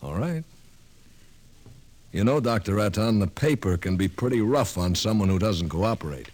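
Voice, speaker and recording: An actor in a 1950s radio drama playing a brash, pushy newspaper reporter with insistent, colloquial talk. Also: male voice, lowish voice, animated, moderate pace, a little mellow. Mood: needling.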